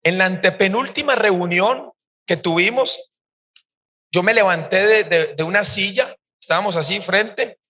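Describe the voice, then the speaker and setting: A male pastor tells his own testimony in a sermon, in an animated, emphatic storytelling manner. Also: sits high, measured pace. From Costa Rica. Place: church service hall. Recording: reverberant church hall.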